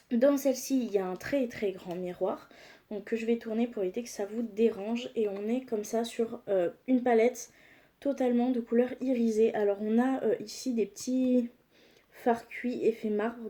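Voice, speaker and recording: A woman's voice: fairly high pitch, dark tone. A young woman talking casually and enthusiastically as she reviews her makeup palettes, with frequent hesitations. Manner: chatty, enthusiastic, frequent "euh" fillers. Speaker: beauty vlogger.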